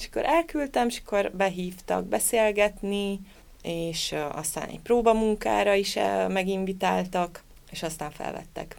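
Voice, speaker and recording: At a fairly slow pace, a woman with a plain, everyday voice speaks at a medium pitch, with ordinary pitch variation and big swings in loudness. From Transylvania, Székely Land (Csík region). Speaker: photographer. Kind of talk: interview.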